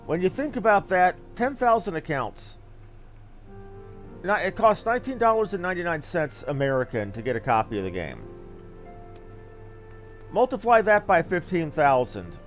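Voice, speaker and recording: A man's voice: high-pitched, big pitch swings, moderate pace, pauses often, faint music behind. A man giving casual live game commentary as a streamer, rambling and blunt with some mild swearing. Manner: rambling, blunt, mildly profane.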